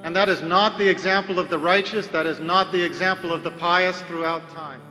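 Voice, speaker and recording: A man giving a deliberate, emphatic religious lecture full of rhetorical questions. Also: sits high, steady tone, sharp tone, in a large hall. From United States. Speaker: Islamic preacher.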